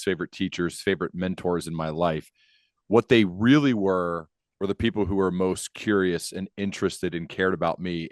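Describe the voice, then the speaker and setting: A man's voice: low voice, no room sound. A man in his thirties hosting a podcast, talking conversationally into a close studio microphone. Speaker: podcast host. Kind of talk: conversational interview talk. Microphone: close studio microphone on a video call.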